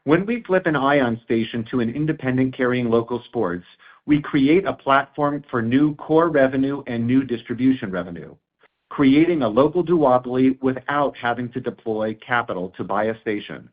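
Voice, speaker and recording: A man's voice: mid-range voice, moderate pace. A man working as a chief executive delivers scripted remarks on an earnings call. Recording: tinny phone-line conference call.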